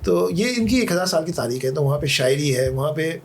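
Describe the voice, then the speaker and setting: A man's voice: a little high, animated, fairly quick, slight background noise. A man from Karachi, a podcast guest, talking in a thoughtful, conversational way, telling anecdotes and quoting poetry. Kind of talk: reflective conversational Urdu talk.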